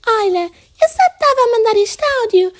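A woman imitating her sweet younger sister in a high, sing-song voice. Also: lively intonation, a little fast.

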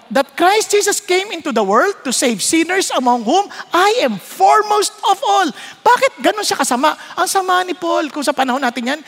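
A man's voice: very high voice, fairly bright tone. A Filipino man preaching a sermon, mixing Tagalog and English and often checking with the congregation. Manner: switches between Tagalog and English, asks the congregation questions. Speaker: pastor. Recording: echoey hall with long reverb.

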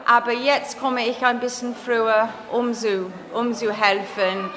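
Woman helper, slow, searching words, noisy reverb-filled room. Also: a little high, level tone, fairly bright tone. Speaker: volunteer helper. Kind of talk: short interview answer.

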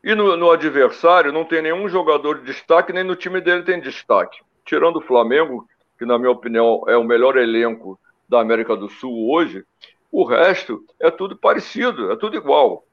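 A man in a casual panel talk, telling animated stories about football and listing old players. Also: fairly high pitch, brisk. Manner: animated storytelling, lists names. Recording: dull lo-fi recording.

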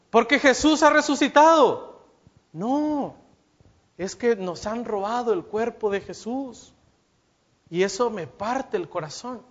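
A male preacher with a notably high voice delivers a sermon and keeps turning to his listeners with questions. He acts out the lines he quotes as he goes. The recording is dull and lo-fi, with a muffled top end.

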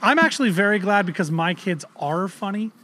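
A man's voice: sits high, animated, fairly quick, pushed and bright, a little hiss or hum. A man in his thirties co-hosting a parenting podcast in casual, rambling chat, with loose swearing and lots of fillers. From Canada. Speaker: podcast co-host.

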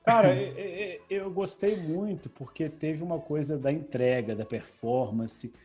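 A man's voice: fairly high pitch, measured pace, a little mellow, soft background music. A man co-hosting a comedy podcast, judging with rambling, enthusiastic talk that stumbles over words. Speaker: podcast co-host judge.

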